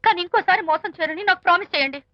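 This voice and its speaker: An actress playing a proud young heroine in a film, who speaks sharply and reproachfully. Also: female voice, very high-pitched, very fast, noisy background. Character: young woman, proud and quick to take offence. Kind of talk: film dialogue. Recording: dull film sound with music.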